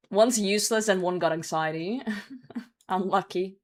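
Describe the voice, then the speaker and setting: Hungover young woman game streamer, mid-pitched voice, casual n sweary, chatting w viewers. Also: lively intonation, slow. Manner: sweary, reacting to chat and game. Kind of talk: casual live stream chat with gameplay commentary.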